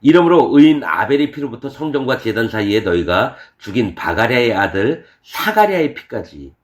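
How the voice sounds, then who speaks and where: Male pastor, animated sermon delivery that acts out the voices, roomy church sound. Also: mid-range voice, normal speed. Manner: animated, acts out scripture voices with laughs and shouts.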